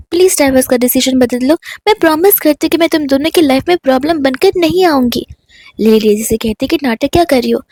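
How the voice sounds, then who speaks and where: High-voiced woman recapping a drama. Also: a little mellow, no echo. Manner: retells scenes in Hindi mixed with English words. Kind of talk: casual storytelling recap.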